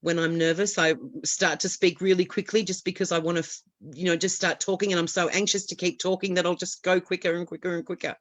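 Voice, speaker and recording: A woman's voice: on the low side, flat delivery, fast, few pauses, no room sound. A woman giving reassuring advice as an expert guest on a webinar, explaining with small restarts over a video call.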